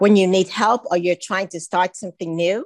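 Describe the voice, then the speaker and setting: A woman speaks at a moderate pace in a plain, everyday voice with fairly even intonation. The sound is dry and close, with no echo. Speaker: podcast host. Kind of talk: interview chat.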